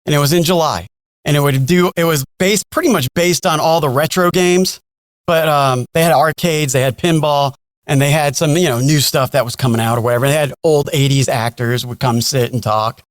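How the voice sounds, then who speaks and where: A man's voice: fairly high pitch, brisk, no room sound. An American man chatting casually as a podcast host and asking his guest questions. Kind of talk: casual chat.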